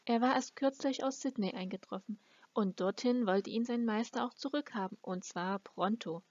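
A woman's voice: fairly high pitch, moderate pace, darkish tone, no echo. A woman reading a fantasy novel aloud as an amateur audiobook narrator. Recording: dull, lo-fi close recording.

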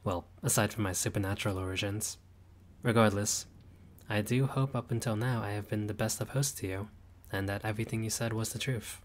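With fairly even intonation and a slightly fast pace, a man gives a lightly acted performance in a low voice. He's a friendly, laid-back male vampire host in a roleplay audio, wry, dryly teasing and sometimes grandly theatrical.

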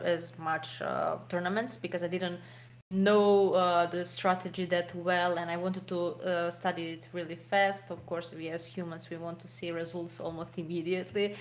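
A young Serbian-accented woman who plays poker professionally answers interview questions on a video call from a room at home, using lots of fillers and restarts. Her voice is lowish and steady at a moderate pace. A desk mic and webcam framing are used, with a little hiss or hum.

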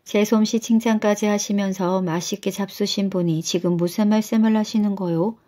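A woman voicing a sharp-tongued village wife who snaps back at her husband. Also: mid-range voice, fairly even intonation, normal speed, lightly acted. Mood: indignant. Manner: retorting, indignant.

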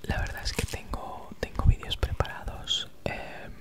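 A woman in her thirties with an accent from Spain chats casually in breathy, unvoiced ASMR whispers, very close to the mic, right in your ear, with a noticeable S sound. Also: measured pace. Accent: Spanish from Spain. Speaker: ASMR creator. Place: small home room, indoors. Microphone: handheld recorder with foam windscreen, very close.

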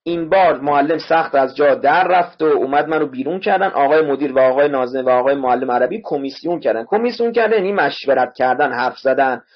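Man teaching a literature class online, a bit husky, drills words and spellings over a muffled lo-fi mic. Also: mid-range voice, few pauses. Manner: explains word by word, repeats spellings to students. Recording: dull lo-fi online class audio.

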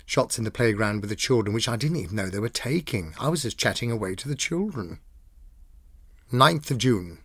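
A man's voice: mid-range voice, animated, brisk, a bit bright, breathy edge, no echo, studio quality. A man with a British accent giving a scripted, dramatic reading of diary entries. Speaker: diary reader. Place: dry studio.

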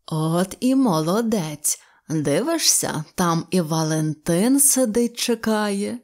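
A woman voicing a kindly, teasing older shopkeeper in an audio fairy tale, speaking slowly. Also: medium pitch, animated, a little mellow.

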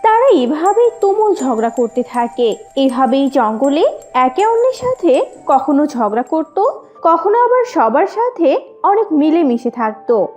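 A woman's voice: sits high, sing-song, a little slow, darkish tone, faint music behind. A woman narrating a scripted children's cartoon story.

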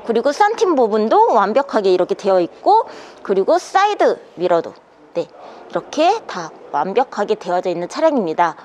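A woman's voice: mid-range voice, darkish tone. A young woman presenting a used vehicle in an upbeat, polished salesperson's patter. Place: indoor parking garage, later inside truck cab. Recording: background noise in parking garage.

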